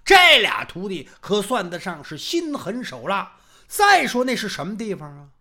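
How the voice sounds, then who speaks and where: Animated male storyteller. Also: high voice. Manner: animated, emphatic, drawn-out phrases. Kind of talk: traditional storytelling.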